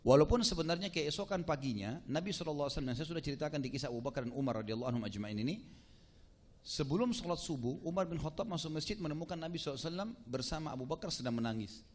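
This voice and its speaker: A man preaching, telling a story to his audience with lively quoted voices and casual asides. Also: racing. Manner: animated, acts out quoted speech with shifting pitch. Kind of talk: sermon storytelling.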